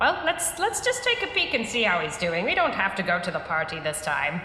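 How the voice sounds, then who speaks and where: A woman puts on a character voice. She talks at a fairly quick pace with a clear echo. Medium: actual play. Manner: sweet, gently coaxing.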